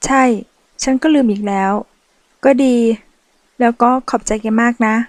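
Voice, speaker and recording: An earnest young woman who sounds plain and a bit defensive, as a female narrator voices her. The voice is fairly high, recorded dry and close with no room around it. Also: unhurried, no room sound, lightly acted. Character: young woman seeking a loan, worried and earnest.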